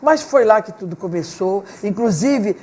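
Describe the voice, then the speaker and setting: A woman's voice: mid-range voice, expressive, normal speed, a little mellow. A woman hosting a local TV talk show, effusive and complimentary as she introduces and questions her guest. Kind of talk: warm effusive TV interview.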